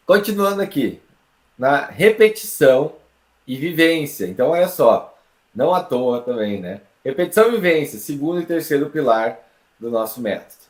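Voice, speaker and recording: A man with a Brazilian Portuguese accent teaching an online lesson in a lively, explanatory way, often checking in with the learner. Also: on the high side, roomy sound. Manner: lively, explanatory, with frequent tag questions. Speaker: English teacher.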